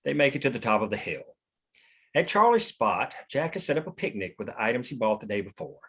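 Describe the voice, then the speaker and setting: Male narrator for a screenplay read, mid pitch, reading scene headings and action. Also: big pitch swings, a little fast, a bit bright, breathy edge. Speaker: narrator reading stage directions.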